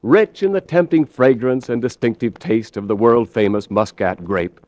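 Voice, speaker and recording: A man as radio announcer, reading a 1940s sponsor message in a smooth, salesy delivery. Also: medium pitch, normal speed, a little mellow, no echo. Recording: dry, dull lo-fi vintage broadcast.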